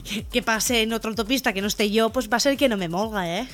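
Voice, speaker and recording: A woman from the Barcelona area co-hosting a local radio show, telling jokes in a casual, lively way and acting out the voices. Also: a little high, fast, soft background music. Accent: Spanish, Barcelona area. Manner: lively, laughs often, acts out joke voices. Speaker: radio co-host.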